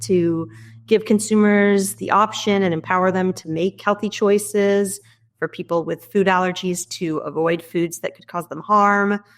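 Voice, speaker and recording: A woman guest in an interview, an articulate policy scientist answering in a measured, explanatory way. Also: mid-range voice, steady tone.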